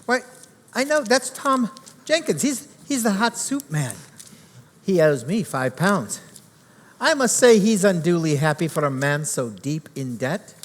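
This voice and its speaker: A man's voice: high voice, very animated, unhurried, exaggerated voice. Scrooge, a man playing a reformed old miser. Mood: amazed. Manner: pleading, then wondering and gleeful. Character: old miserly man, softening into a joyful one. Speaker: stage actor. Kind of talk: live stage musical. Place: theatre stage. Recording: hall reverb with pit music.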